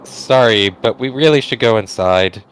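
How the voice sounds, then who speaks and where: A man's voice: medium pitch, normal speed, natural voice, low-quality recording. A man voicing an earnest, mild, worried teenage boy in an amateur playthrough of a game. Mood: earnest, uneasy. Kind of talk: amateur voiced playthrough of a visual novel game. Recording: faint background noise.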